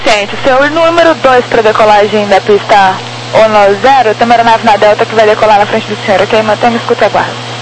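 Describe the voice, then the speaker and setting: A man's voice: high voice, brisk. A Brazilian man giving procedural landing and holding instructions as a tower controller over radio. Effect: air traffic radio transmission. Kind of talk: procedural air traffic instructions. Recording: noisy air traffic radio with hum.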